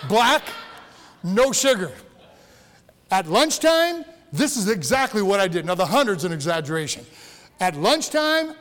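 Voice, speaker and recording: A high-voiced older man preaching in a church, his words trailing off in a long hall reverb. He is a pastor in his sixties, folksy and joking, often stumbling and restarting his sentences. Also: a bit bright. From Michigan. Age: 60s. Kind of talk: sermon. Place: church sanctuary.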